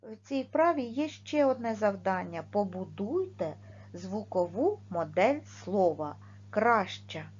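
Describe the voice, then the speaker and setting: A woman gives a video lesson for children at an unhurried pace, her pitch rising and falling in a lively way. She pronounces every word and sound with care. The recording is dull and lo-fi, with a faint hum underneath. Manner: slow, clearly articulated, stressing words and sounds. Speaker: primary school teacher.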